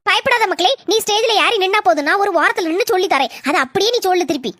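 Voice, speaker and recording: A woman's voice: extremely high pitch, lively intonation, rapid-fire. A woman voicing a fussy village auntie in a cartoon, coaxing and scolding in a chatty way. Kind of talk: cartoon voice acting. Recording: noisy soundtrack.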